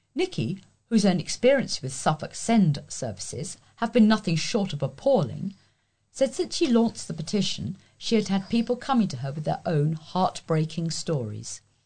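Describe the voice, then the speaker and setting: A woman's medium-pitched voice with vocal fry and a British accent, moderate in pace, with very wide pitch swings. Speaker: volunteer news reader. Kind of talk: news reading.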